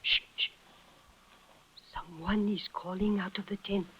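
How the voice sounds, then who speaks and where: A woman's voice: medium pitch, fairly even intonation, a little slow, breathy edge. An actress playing a bold, mysterious young woman who leads the way in a 1950s radio drama, speaking in formal, clipped, commanding phrases. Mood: hushed, intense. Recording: muffled old 1950s radio broadcast.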